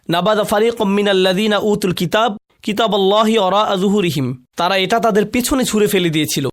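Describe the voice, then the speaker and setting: High-voiced man explaining a lecture. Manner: explanatory, poses questions to listeners. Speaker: Quran lecturer. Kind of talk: dubbed religious lecture.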